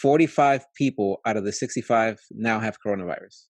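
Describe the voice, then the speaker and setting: A man's voice: lowish voice, dry recording. Easygoing man in his late thirties, dry sound. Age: late 30s. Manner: chatty, easygoing, quick to laugh. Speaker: podcast host. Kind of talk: casual interview.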